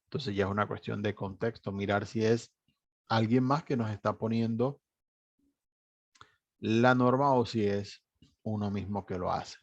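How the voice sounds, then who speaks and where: Patient teacher explaining exercises. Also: male voice, lowish voice, steady tone, measured pace, pauses often, dry recording. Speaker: English teacher. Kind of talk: online class walkthrough. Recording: dry, slightly dull recording.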